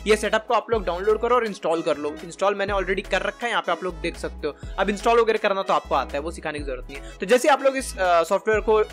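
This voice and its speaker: A man in his twenties giving a casual, chatty software tutorial step by step into a close desk microphone. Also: sits high, lively intonation, fast talker, few pauses, faint music behind. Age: 20s. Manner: chatty, informal, explains step by step. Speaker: tutorial host. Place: small indoor room at a desk.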